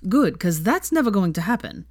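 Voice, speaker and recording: A woman reading the lines of a young man who is a tired, blunt father, speaking in a low, muttered, weary way. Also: sing-song, moderate pace, darkish tone, dry recording, studio quality.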